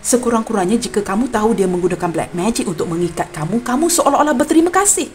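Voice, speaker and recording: A woman's voice: fairly high pitch, animated, fast talker, faint music behind. Malaysian woman giving an earnest tarot reading. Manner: earnest and apologetic, addresses viewers warmly as friends. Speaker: tarot reader. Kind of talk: tarot reading monologue to viewers.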